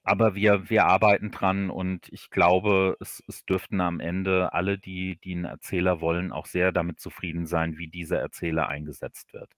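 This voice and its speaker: A man chatting as an interview guest on a livestream, explaining in a halting way and often repeating words. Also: low voice, little pitch movement, a bit bright, no echo, studio quality. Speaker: guest audio drama writer. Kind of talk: casual interview chat on a livestream.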